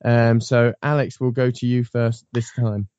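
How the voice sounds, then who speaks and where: A man's voice: mid-range voice, flat delivery, a little slow, darkish tone, clear, resonant tone, dry recording, highs cut off. A man hosting a casual motorsport panel chat, rambling with frequent ums and restarts. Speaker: podcast host.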